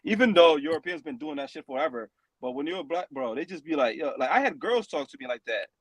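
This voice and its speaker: A man chatting casually as a podcast panelist, telling stories with animated, emphatic delivery. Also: fairly high pitch, fast talker, slightly rough, no echo, low-quality recording. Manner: animated, emphatic storytelling with rising exclamations. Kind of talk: casual opinionated chat.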